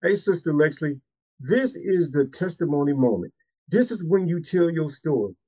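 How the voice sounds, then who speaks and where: A man's voice: a little high, expressive, normal speed, mellow, husky, no echo. A man, a minister, hosting a casual faith interview, repeating amens and talking with a preacher's cadence.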